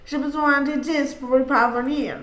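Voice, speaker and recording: A man's voice: extremely high pitch, fairly even intonation, moderate pace, pushed and bright, roomy sound. A woman voicing a sly, evasive schemer in a story game. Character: sly scheming male hotel guest.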